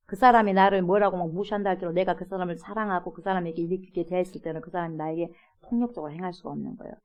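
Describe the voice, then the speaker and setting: A woman pastor giving an early-morning prayer sermon in a church, animated, acting out quoted voices and laughing often. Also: on the low side, highs cut off.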